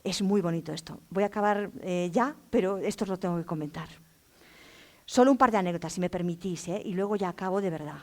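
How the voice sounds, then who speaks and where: A middle-aged woman giving an animated, anecdotal talk as a storyteller, acting out voices as she tells it. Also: lowish voice, fast. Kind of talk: lively anecdotal lecture. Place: lecture hall.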